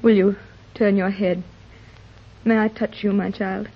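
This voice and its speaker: A breathy, anxious mother. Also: medium pitch, little pitch movement, a little slow. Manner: emotional, tremulous. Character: anxious wealthy mother searching for her lost daughter. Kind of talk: 1930s radio drama acting. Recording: dull old 1930s radio recording.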